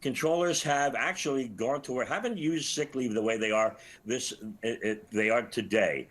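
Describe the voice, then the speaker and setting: A man's voice: mid-range voice, normal speed, fairly bright tone. An older man giving expert commentary as a guest in a live news interview. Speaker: retired air traffic controller, interview guest.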